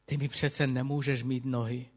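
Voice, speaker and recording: A preacher reading the disciple Peter. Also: male voice, medium pitch, flat delivery, long reverb tail, lightly acted. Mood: protesting. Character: Simon Peter, a startled eager male disciple.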